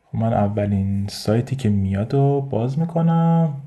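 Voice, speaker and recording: A man's voice: medium pitch, animated, warm tone. A man hosting a casual solo podcast with a Persian accent, thinking aloud in a rambling way with frequent fillers and restarts. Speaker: podcast host.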